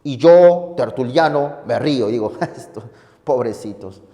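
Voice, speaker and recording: A man's voice: medium pitch, expressive, unhurried, warm tone. A man playing a scornful old Christian thinker who mocks skeptics with a sweeping, drawling voice. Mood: mocking. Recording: echoey hall reverb.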